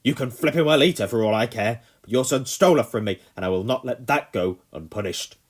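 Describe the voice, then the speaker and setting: A man playing a pompous older colonel who shouts and rants in fury at a family. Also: mid-range voice, brisk, voice pushed up, close to an everyday voice. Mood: indignant. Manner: shouting, ranting. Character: pompous older male colonel, furious landowner.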